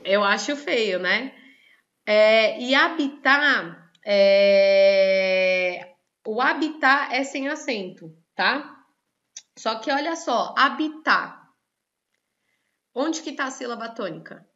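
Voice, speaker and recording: A Brazilian woman teacher leads an online class, lively and always checking in with her students. Her voice is bright and pitched a touch high. The audio has the slightly dull, muffled quality of a video call. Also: slow pace. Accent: Brazilian Portuguese. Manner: lively, questions the students often.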